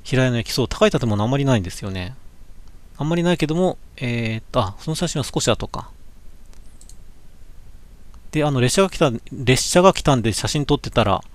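A man's voice: mid-range voice, animated, brisk, pauses often. A man chatting casually through a slideshow of his cycling trip, musing aloud, correcting himself and reading signs with many small fillers. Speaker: cycling vlogger looking back on a trip. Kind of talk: casual slideshow commentary for a live stream. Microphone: webcam.

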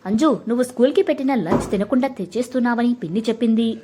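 A woman's voice: fairly high pitch, quick pace, background noise, lightly acted. A woman voicing an awkward remarried father. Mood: coaxing. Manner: coaxing then curt.

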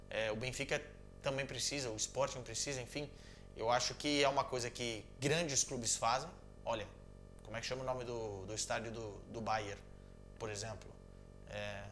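A man in his thirties with a Brazilian Portuguese accent, a football commentator casually answering viewer messages in a joking, animated way from a small room at home. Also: medium pitch, normal speed, faint music behind. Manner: animated, joking, gestures a lot. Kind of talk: casual chat.

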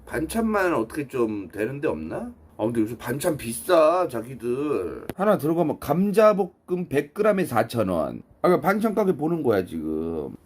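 A husky man with a cold talks casually from his bed on a live stream. His pitch swings wildly, and he swears freely as he scolds his dog and reads out the chat. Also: big pitch swings, moderate pace, hardly any pauses, darkish tone. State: sick with a cold, coughing. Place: lying in bed at home.

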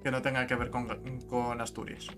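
A man's voice: mid-range voice, monotone, moderate pace, music in the background. A man chatting casually on voice chat, teasing and arguing his point.

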